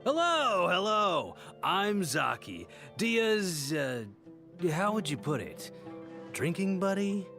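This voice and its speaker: An actor playing a sly, falsely jovial tavern regular in a video game, with a mock-friendly, drawn-out way of talking. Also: male voice, high voice, sing-song, pushed and bright, faint music behind, exaggerated voice.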